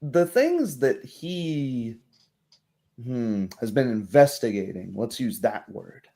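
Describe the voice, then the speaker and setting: A plain-spoken townswoman in a roleplaying game, acted by a man. The voice is soft-edged and unhurried. Each phrase comes out guarded and hesitant, as if carefully weighed. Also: medium pitch, big pitch swings, gravelly, heavily acted. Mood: wary, hushed. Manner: hesitant, measured, picking words carefully. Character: guarded, plain-spoken townswoman talking over local mysteries.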